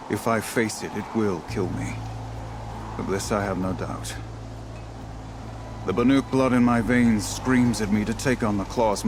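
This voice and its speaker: A weary old tribal hunter from a video game. His voice sits fairly low and he speaks with solemn, poetic pride, like a veteran telling his own saga. Clear ambient noise runs behind him. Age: older. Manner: solemn, measured, poetic storyteller. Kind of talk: dramatic video game dialogue.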